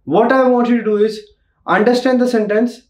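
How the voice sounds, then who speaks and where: A man in his thirties with an Indian accent, tutoring test takers in a steady, reassuring way that repeats the key points, recorded in a small home studio. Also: extremely high pitch, normal speed. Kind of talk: instructional talk to camera.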